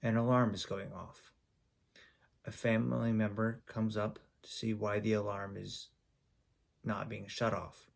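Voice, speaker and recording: Low gravelly man telling a story haltingly. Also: flat delivery. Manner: halting, with frequent ums and restarts. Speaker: YouTuber. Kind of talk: personal storytelling to camera.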